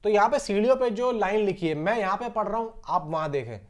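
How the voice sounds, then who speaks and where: High-pitched man explaining movie news. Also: expressive, fast. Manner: conversational, rambling, addresses viewers as bro. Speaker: film news YouTuber.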